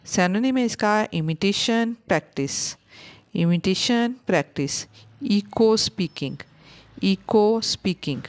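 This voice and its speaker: A woman teaching English vocabulary, repeating each word slowly for learners. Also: mid-range voice, lively intonation. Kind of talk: vocabulary lesson.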